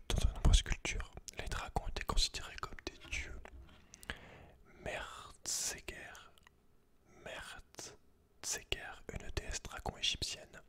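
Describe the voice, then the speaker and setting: Guy whispering asmr, reading stuff out all hushed and breathy. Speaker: ASMR creator. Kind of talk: whispered ASMR read-aloud with casual asides.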